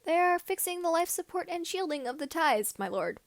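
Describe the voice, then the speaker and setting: A woman's voice: very high-pitched, expressive, fairly quick, no room sound, pitched above the performer's own voice. Woman as a nervous, deferential chief engineer.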